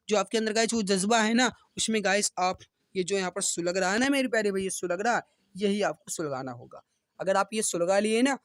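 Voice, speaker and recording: In an echo-free, studio-quality recording, a man with a high voice leads an online exam-prep session. He rallies his "dear brothers and sisters" with rousing motivational appeals and repeats each answer over and over.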